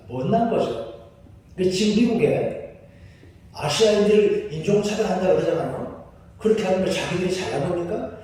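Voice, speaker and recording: A man's voice: high voice, mellow, distant mic. Male pastor preaching in an echoey hall. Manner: conversational, asks the congregation rhetorical questions. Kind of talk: sermon. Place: church sanctuary. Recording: echoey hall, voice picked up from afar.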